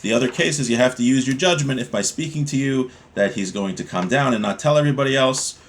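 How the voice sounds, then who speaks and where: A man of ordinary middle pitch teaches a class on Jewish law in an unhurried, explanatory way. He reads brief lines and then restates them in everyday English, repeating the key ideas so listeners can follow. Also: slight background noise. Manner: calm, explanatory, repeats points for clarity. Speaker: Torah teacher. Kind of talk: text study class, reading Hebrew then explaining in English.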